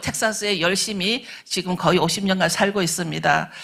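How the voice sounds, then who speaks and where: A woman's voice, bright and sharp in tone. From South Korea, Busan. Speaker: pastor. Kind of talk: sermon.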